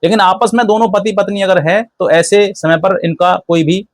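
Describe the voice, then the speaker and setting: Man, high-pitched voice, legal explainer, rephrases often, English legal terms mixed in, dry sound. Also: steady tone, moderate pace, dry recording. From India. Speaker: legal advice channel host. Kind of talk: informal legal explainer to viewers.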